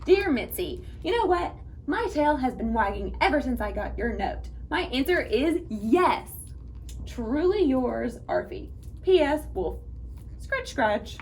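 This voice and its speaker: A woman's voice: sits high, sing-song, slow pace, a little mellow, slight background noise, exaggerated voice. A woman voicing a happy, devoted dog who reads out a letter sincerely in a children's storybook.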